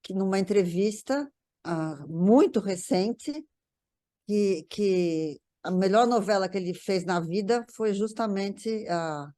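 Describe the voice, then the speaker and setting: Halting Brazilian woman in casual discussion. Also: medium pitch, dark tone. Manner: halting, repeats words while searching for phrasing. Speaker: panel guest discussing a TV writer's work. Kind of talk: casual conversational recollection.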